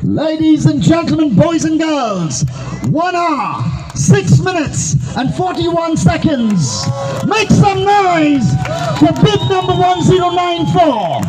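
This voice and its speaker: A booming event announcer, a man, calls out pumped-up and very high in pitch. He stretches his words for a prize ceremony, with loud music and a crowd behind him. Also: sing-song, poor audio. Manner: booming, pumped-up announcer delivery with drawn-out shouts. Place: outdoor sports ground stage.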